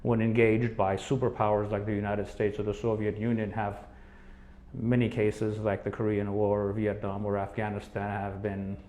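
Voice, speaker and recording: A man hosting an interview, summing up his guest's points in a measured, steady way. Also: fairly low pitch. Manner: measured, sums up the guest's points, soft affirmations. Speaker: interviewer host. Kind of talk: interview questions and summaries.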